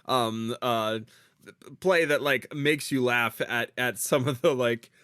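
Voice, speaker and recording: A man co-hosting a theater podcast, talking in a halting way with many fillers while thanking supporters. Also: medium pitch, a bit bright, clean tone, no room sound, studio quality. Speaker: podcast co-host. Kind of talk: casual chat and patron thank-yous.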